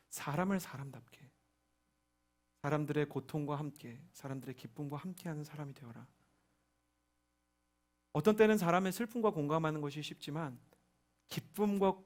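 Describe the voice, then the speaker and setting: Young male pastor, fairly high voice, animated storytelling sermon. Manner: animated, acts out quoted voices.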